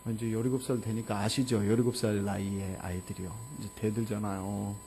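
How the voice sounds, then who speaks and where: A man in his forties, a pastor preaching a heartfelt sermon, telling a personal story in a mostly quiet, low voice that swells to loud fervor. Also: level tone, a little fast, slight background noise. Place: church sanctuary.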